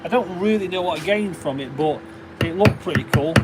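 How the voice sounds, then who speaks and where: A man's voice: high-pitched, a little fast, heavy background noise. A man with a Derbyshire accent chatting casually on a livestream, thanking viewers and reading out their names. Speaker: livestreaming stone carver. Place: workshop.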